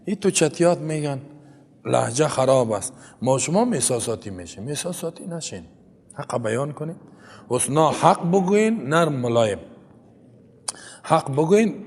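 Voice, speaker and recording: A man's voice: mid-range voice, a little mellow, slightly rough, long reverb tail. A man with an Afghan Dari accent giving a Quran commentary lesson, reciting Arabic verses and then explaining them in plain, chatty talk with rhetorical "right?" asides. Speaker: Quran teacher.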